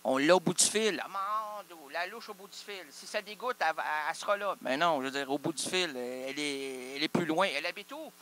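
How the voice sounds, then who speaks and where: Man, Québécois accent, absurd improvised comedy, punning ramble, bright forceful voice. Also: on the high side, expressive, brisk, few pauses, slight background noise. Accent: Québécois French. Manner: rambling wordplay, laughing at his own puns, asks and answers himself. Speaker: comic performer.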